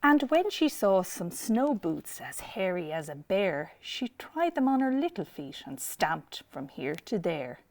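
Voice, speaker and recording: A woman's voice: medium pitch, big pitch swings, a little slow, hardly any pauses, darkish tone, slight background noise. A woman reading a children's picture book aloud expressively, with asides to young listeners. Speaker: library storyteller.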